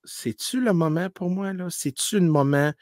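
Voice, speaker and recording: Animated bilingual man telling stories, dry sound. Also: high-pitched, normal speed, no room sound. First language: English. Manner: animated storyteller, many restarts, mixes in English words. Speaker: paranormal live streamer, guest. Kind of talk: casual interview chat.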